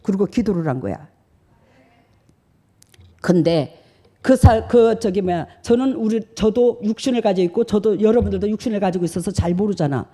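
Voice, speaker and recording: A woman's voice: medium pitch, moderate pace, long pauses, warm tone. A woman pastor, preaching a sermon in a chatty storytelling way. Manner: chatty storytelling, acts out dialogues.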